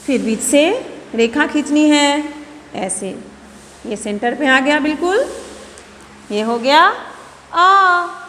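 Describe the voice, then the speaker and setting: A woman's voice: sits high, expressive, slow, long pauses, echoey room, in a large hall, slight background noise. A woman teaching a nursery writing lesson, explaining each stroke patiently and repeating steps with coaxing questions to the children. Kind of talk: slow, patient classroom instruction.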